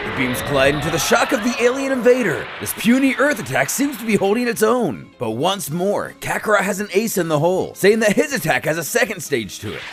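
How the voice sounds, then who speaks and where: A man narrating a scripted story recap in a dramatic storytelling manner. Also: fairly high pitch. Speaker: narrator of a manga recap channel.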